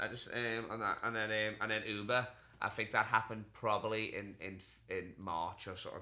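A man with a Scouse accent, fairly low in pitch, monotone and flat in intonation, bright and sharp in tone, at a moderate pace. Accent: Scouse (Liverpool English). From Liverpool, England. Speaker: comedian. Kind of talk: casual chat. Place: home room. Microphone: camera far.

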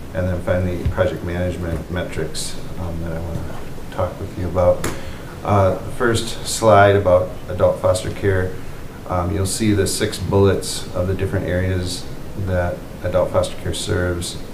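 Amid noticeable background noise, a man with a very deep, low pitch speaks at a moderate pace with monotone, flat intonation. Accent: American. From US Midwest. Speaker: county human services director; presenter. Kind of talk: public meeting presentation. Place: meeting room.

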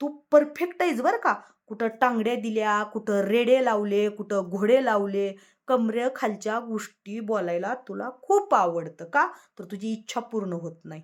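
A woman with a fairly high pitch is heard in a very clean recording with a silent background. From Latur, Maharashtra. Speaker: social media commentator. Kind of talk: angry rant.

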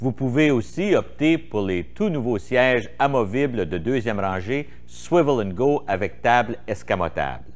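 Speaking fairly slowly, a man's voice carries lively intonation and vocal fry. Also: medium pitch for a man. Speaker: sales trainer presenter. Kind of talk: vintage corporate sales training video narration. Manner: formal, polished, even-paced and businesslike; upbeat, promotional, salesy. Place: studio.

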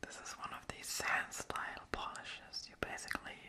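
A woman whispers in a soft-spoken way. Light background noise sits behind her. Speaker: ASMR creator. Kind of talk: soft-spoken product show-and-tell. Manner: soft ASMR whisper.

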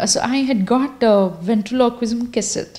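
A woman talks with a Kannada accent at a fairly high pitch. Her pace is fairly slow. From India, Bangalore. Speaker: ventriloquist. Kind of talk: interview. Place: home room. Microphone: handheld.

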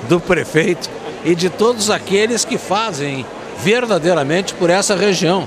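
The speech moves at a fairly slow pace. The sound is dry with no echo, though noticeable background noise comes through. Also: man. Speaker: government minister. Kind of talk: interview answer. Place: hall. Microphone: handheld.

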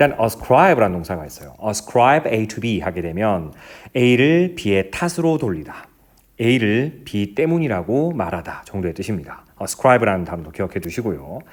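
A man's fairly low voice with very wide pitch swings, moving at a fairly slow pace. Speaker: high school English teacher. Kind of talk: lecture.

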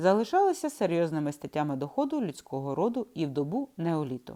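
A woman's voice moves through very wide pitch swings on a very clean recording with a silent background. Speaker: online reader of a history book. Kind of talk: reading aloud. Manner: careful diction.

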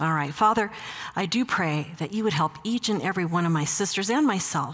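With ordinary pitch variation, a woman's speech moves along at a moderate pace. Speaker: Bible teacher. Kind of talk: sermon. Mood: warm, calm, encouraging. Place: stage.

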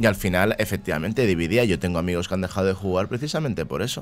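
Very deep and low, a man's voice races at a very fast pace with lively intonation and hardly any pauses. The recording is very clean, with a silent background. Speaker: podcast guest. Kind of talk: casual chat.

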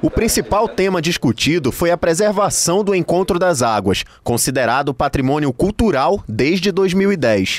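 Against noticeable background noise, a man with a high pitch talks at a fairly slow pace with hardly any pauses, lively intonation and very even loudness. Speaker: reporter. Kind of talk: news report narration.

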